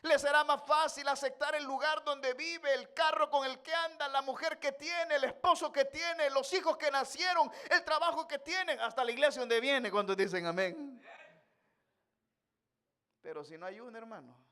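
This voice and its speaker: A male pastor giving a sermon in a church, moving from chatty asides to loud, impassioned preaching. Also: very high voice, moderate pace.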